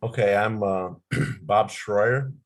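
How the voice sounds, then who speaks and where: An older man from central Illinois introducing himself on a video call with dry, halting humor. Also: fairly low pitch.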